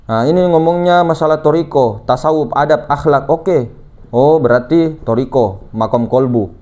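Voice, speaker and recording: A man giving a relaxed, joking sermon as a religious teacher, repeating key terms for emphasis. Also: a little high. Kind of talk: casual sermon on Sufism. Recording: dull lo-fi recording.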